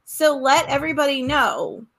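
A woman's voice: sits high, moderate pace, vocal fry, sharp tone. A woman hosting a podcast, running the segment in an upbeat, agreeable way. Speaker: podcast host. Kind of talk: casual podcast chat.

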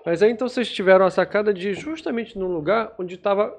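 High-voiced man asking thoughtful questions. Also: fast, vocal fry. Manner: thoughtful, hesitant restarts. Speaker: interviewer. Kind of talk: casual interview.

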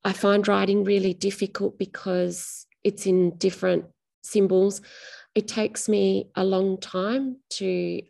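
A woman's voice: medium pitch, little pitch movement, slow, vocal fry, warm tone. A middle-aged woman, an author talking through her novel in an interview, thoughtful and often restarting her phrases. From Australia. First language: Greek.

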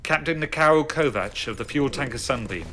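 An actor playing an officer who formally announces speakers in a science fiction audio drama, procedural and official. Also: male voice, mid-range voice, lively intonation, normal speed, sharp tone, slight background noise. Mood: official, neutral. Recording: crowd murmur in the room.

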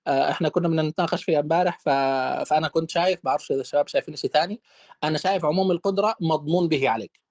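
A man's voice: fairly high pitch, dry recording, clean studio sound. A man hosting a casual online debate, firing off rhetorical questions. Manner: animated, rapid-fire rhetorical questions.

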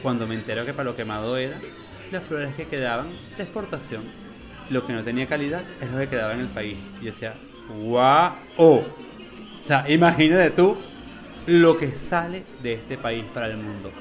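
A man's voice: mid-range voice, faint music behind. Eager man telling a story. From Venezuela. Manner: enthusiastic, animated, drawn-out emphasis. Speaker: interview guest, florist. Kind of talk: conversational storytelling.

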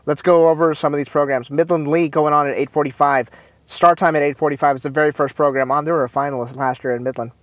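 A man's voice: a little high, fairly even intonation, fast talker, no room sound. Upbeat chatty man, dry close sound. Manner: chatty, upbeat, drops into asides and laughs, many fillers and restarts. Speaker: host. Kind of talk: casual chat about marching bands.

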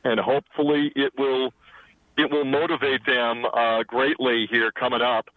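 A man's voice: mid-range voice, level tone, normal speed. A man calling in to a sports radio show from a car at a drive-thru. He talks casually with dry humor and frequent fillers, heard over a phone line on speaker.

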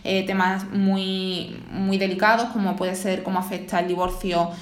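A woman's voice: medium pitch, flat delivery, moderate pace. Woman podcast host in a roomy room. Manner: friendly interviewer, sums up and leads to questions. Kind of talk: podcast interview. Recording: roomy echoing sound.

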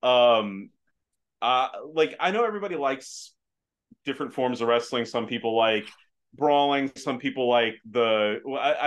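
Male podcast guest, American accent, halting casual delivery. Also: medium pitch, a bit bright. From Afghanistan. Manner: hesitant, many fillers and restarts. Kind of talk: casual chat. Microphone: video call.

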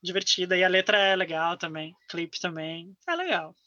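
A man in his thirties talks in a rambling, filler-laden, enthusiastic way as a podcast co-host. His voice is bright and forward. The recording is dry and a little dull, with a lo-fi edge. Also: high voice, fairly even intonation, moderate pace, dry recording. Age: 30s. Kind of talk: casual chat about music.

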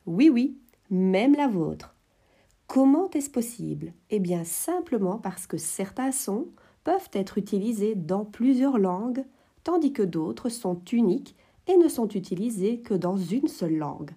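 A woman hosting an educational podcast, explaining French phonetics in a clear, measured way. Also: medium pitch, very animated, warm tone. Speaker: French teacher, podcast host.

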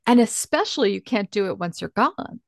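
A woman's voice: medium pitch, animated, a little fast, vocal fry, no room sound, clean studio sound. A woman speaking candidly and emotionally in a conversation, earnest and emphatic.

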